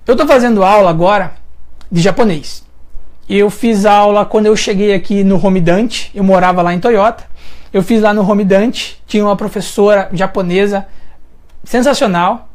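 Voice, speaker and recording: A Brazilian woman with a Brazilian Portuguese accent hosts a casual live chat, her voice mid-range, slightly mellow, and at normal speed. She reads viewer questions and answers them while thinking aloud with frequent hesitations, speaking to viewers directly in a friendly, informal way.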